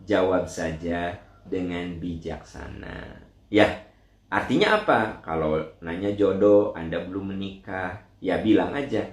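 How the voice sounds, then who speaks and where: A man's voice: sits low, a little slow. A middle-aged man with a Sundanese accent giving a religious Q&A lecture and acting out everyday dialogues. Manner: animated, acts out dialogues. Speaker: preacher. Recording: roomy echo.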